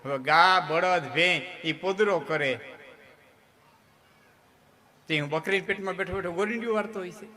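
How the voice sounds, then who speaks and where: On stage before a live crowd, a folk storyteller with a Kathiawadi Gujarati accent spins humorous tales in a high-pitched, bright, forceful voice. He talks at a normal speed with long pauses, keeping things chatty and jokey and often checking in with his listeners. Audience noise from the crowd is audible throughout.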